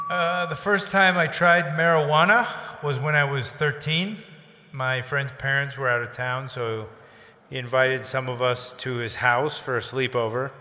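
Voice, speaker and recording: Slangy young guy, bright-voiced, in a hall. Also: medium pitch, steady tone, measured pace, slight background noise. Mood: hesitant, casual. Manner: informal, hesitant, slangy storytelling. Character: rambling young man, addict sharing sheepishly, casual slangy. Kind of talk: radio drama acting, conversational monologue.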